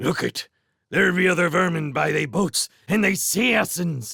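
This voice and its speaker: A man puts on a raspy character voice with a high pitch. He speaks at a moderate pace. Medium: read story. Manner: rustic dialect speech.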